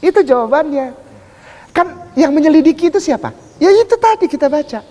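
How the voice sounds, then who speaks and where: A man giving a lively public lecture in a religious debate, emphatic, asking the audience rhetorical questions. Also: very high-pitched, a little fast. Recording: echoey hall reverb.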